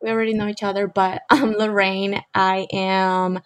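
A woman's voice: mid-range voice, little pitch movement, normal speed, clean tone. A woman from Ecuador, a podcast guest, chatting cheerfully and laughing easily. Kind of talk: casual conversation.

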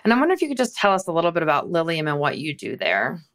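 A woman's voice: low-pitched, huge pitch swings, rapid-fire, fairly bright tone. A woman hosting an interview, asking questions in a curious, upbeat way. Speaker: podcast host.

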